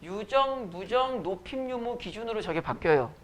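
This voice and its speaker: A man teaching a high school Korean class, lecturing casually with joking asides to his students. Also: lively intonation, normal speed, a little hiss or hum. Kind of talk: classroom lecture with teasing banter. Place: academy classroom.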